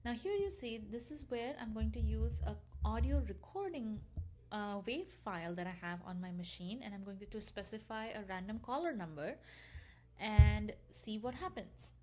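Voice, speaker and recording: A woman presenting a software tutorial in a casual, explanatory screencast walkthrough style with loosely scripted delivery. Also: a little high, animated, moderate pace, slight background noise.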